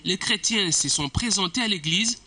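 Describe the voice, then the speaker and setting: A man reading a formal news report as a voice-over, measured and even. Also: sits high.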